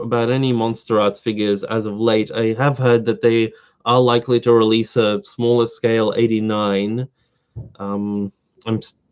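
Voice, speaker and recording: A man hosting a casual live stream, slightly hoarse from talking all day, rambling eagerly as he answers viewers. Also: mid-range voice, darkish tone, dull audio. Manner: rambling, eager collector fan.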